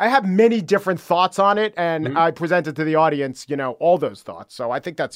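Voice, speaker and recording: With a slight New York accent, a man talks at a fairly quick pace in a fairly high pitch, his loudness swinging widely in a dry, close sound with no echo. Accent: New York, slight gruff. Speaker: podcast host and journalist. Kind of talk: casual chat, game show banter. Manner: gruff, everyday-guy demeanor.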